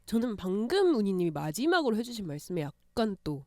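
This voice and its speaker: A woman's voice: mid-range voice, sing-song, brisk, dark tone, dry recording, clean studio sound. A woman making confident, teasing, mock-serious arguments in a playful debate.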